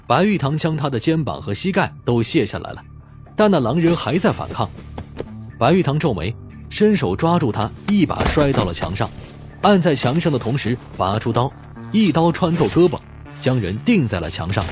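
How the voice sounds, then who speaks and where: A man's voice: medium pitch, big pitch swings, normal speed, a little mellow, faint music behind. A man reading a crime novel as a scripted, dramatic audiobook narration.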